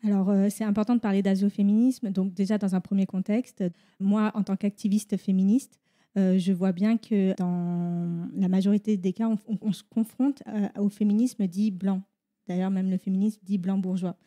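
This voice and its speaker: Earnest woman activist with a mellow voice. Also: medium pitch, steady tone, normal speed. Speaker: guest, activist. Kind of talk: interview answers.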